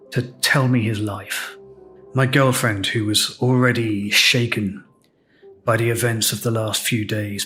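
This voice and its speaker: A man with an English accent hosting a podcast, telling a personal story in a reflective, candid, unhurried way. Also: fairly low pitch, a bit bright. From England. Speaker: podcast host.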